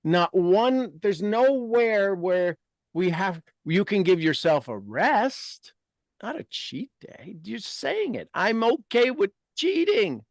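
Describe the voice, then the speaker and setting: Man, 50s, motivational podcast host; slightly high, dry, emphatic, repeats himself. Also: no room sound. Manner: emphatic, repeats key phrases. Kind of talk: motivational casual talk.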